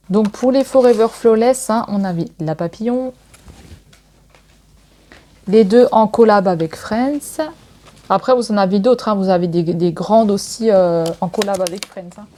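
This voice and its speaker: Woman vlogger, mid pitch, warm mellow tone, chatty, easygoing haul talk. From France. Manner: chatty, frequent "hein" and "donc voilà" fillers. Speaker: beauty vlogger. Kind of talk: casual makeup haul chat.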